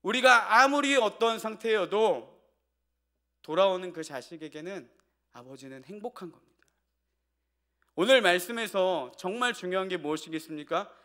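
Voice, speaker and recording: A male pastor preaches an evening sermon in church. His voice sits a little higher than most men's, and he tells a homely family story as though talking it over with the congregation. Now and then he throws rhetorical questions out to the pews. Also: lively intonation, normal speed, long pauses, sharp tone.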